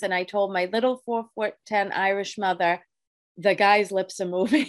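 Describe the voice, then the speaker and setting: A woman in a normal speaking voice, fairly high in pitch, at a moderate pace on a very clean recording with a silent background. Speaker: spirit medium. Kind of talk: interview chat.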